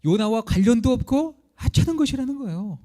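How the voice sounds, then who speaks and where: A man's voice: extremely high pitch, expressive, fairly quick, dark tone. A male pastor preaching a sermon, telling the story dramatically and acting out the quoted lines.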